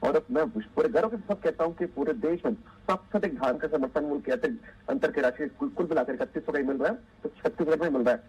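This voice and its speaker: A man's voice: on the high side, quick pace, darkish tone, slightly rough, low-quality recording. A man speaking assertively as a ruling party spokesperson in a TV political debate, defending his side insistently.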